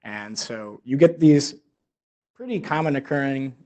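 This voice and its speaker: A young man delivers a technical seminar talk in a mid-pitched voice. He explains things informally, feeling his way through some phrases as a research scientist would when talking through slides. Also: lively intonation, measured pace, warm tone.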